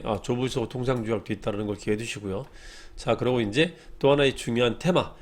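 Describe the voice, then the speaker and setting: A middle-aged man lecturing for a history exam, brisk and repeating key terms for emphasis. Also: mid-range voice.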